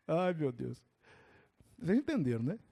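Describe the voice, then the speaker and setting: A male pastor preaching a sermon with animated storytelling, calling on his listeners by name. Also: on the high side, slow, creaky, slightly rough. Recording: echoey hall reverb.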